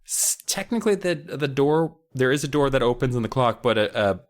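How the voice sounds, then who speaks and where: Animated, profane man chatting casually. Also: mid-range voice, brisk. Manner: profane, exaggerated exasperation. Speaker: podcast co-host. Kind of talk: casual comic chat, critiquing book covers.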